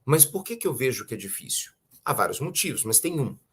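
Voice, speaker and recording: A man with a Brazilian accent giving a conversational spiritual talk, often asking rhetorical questions and clearing his throat. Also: medium pitch, sing-song, brisk. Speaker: spiritual teacher.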